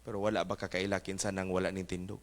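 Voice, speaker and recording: A man's voice: deep voice, level tone, quick pace. A male pastor preaching a fervent sermon, mixing English exhortations into his talk. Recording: echoey church hall.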